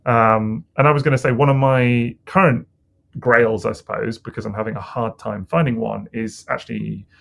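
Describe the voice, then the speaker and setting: A man with a gravelly, creaky voice talks in a relaxed podcast chat. He rambles and hesitates, doubling back with fillers as he thinks aloud. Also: medium pitch, normal speed. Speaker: podcast co-host. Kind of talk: casual chat.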